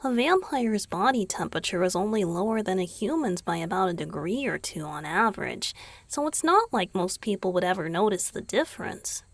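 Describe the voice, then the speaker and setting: A woman voicing a gentle, teasing, affectionate young male vampire boyfriend in a breathy, intimate ASMR roleplay. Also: mid-range voice, animated, no echo. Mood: warm reassurance. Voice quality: breathy, mostly whispered. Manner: slow, intimate, soothing, softly teasing.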